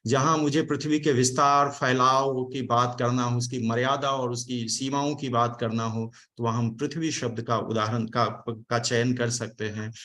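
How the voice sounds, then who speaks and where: A man from India speaking on a video call at a formal online seminar, explaining and thanking guests with frequent pauses and restarts. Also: medium pitch. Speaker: speaker giving vote of thanks.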